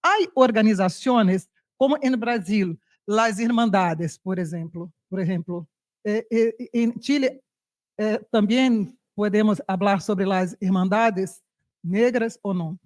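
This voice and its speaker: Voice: medium pitch, slow pace, no room sound, clean studio sound. A native Portuguese speaker with a Brazilian accent asking a question in Spanish during a video-call seminar, searching for words. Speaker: seminar participant.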